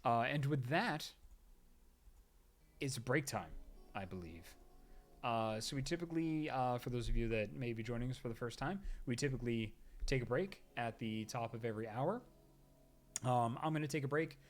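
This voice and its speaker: A man's voice: medium pitch, moderate pace. A man streaming a visual novel, chatting casually and reading the characters' lines aloud. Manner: playful, chatty, voices the characters. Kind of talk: live game stream commentary.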